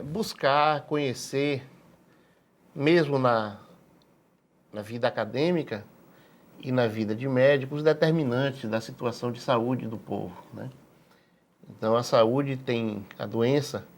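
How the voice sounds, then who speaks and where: A physician in his sixties from Salvador, Bahia, answers interview questions in a TV studio with a Bahian Brazilian Portuguese accent. His mid-range voice is a little mellow, and he speaks in a measured, halting way, repeating words as he thinks.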